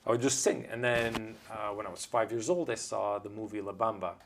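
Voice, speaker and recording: A man's voice: lowish voice, steady tone, brisk, noisy background. Chatty man in his forties, Italian native. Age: 40s. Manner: chatty, rambling storyteller. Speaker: guest musician. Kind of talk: casual interview chat.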